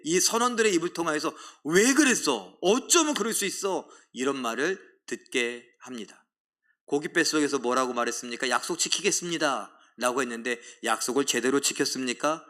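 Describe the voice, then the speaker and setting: A man's voice: fairly high pitch, pushed and bright. A middle-aged man preaching a sermon as pastor, dramatically acting out complaints and leading a congregation in reading scripture aloud.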